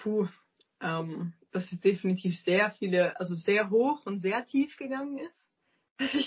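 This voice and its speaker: Somewhat breathy and fairly high-pitched, a woman speaks with lively intonation. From Austria, Tyrol (Innsbruck). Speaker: professional football goalkeeper. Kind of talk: interview.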